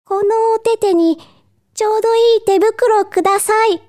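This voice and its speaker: A woman's voice: very high voice, measured pace, pitched above the performer's own voice. A woman voicing an eager little fox cub. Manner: bright, eager childlike chatter. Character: innocent cheerful little boy fox cub. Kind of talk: storybook reading.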